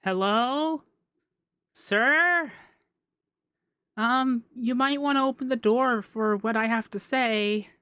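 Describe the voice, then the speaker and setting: Man acting a bright-voiced, coy, effeminate young accountant. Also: extremely high pitch, slow, pauses often, clean tone, no room sound, exaggerated voice. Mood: polite, businesslike. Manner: coy, teasing, lilting, hesitant in places. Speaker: ASMR voice actor. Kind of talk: ASMR roleplay.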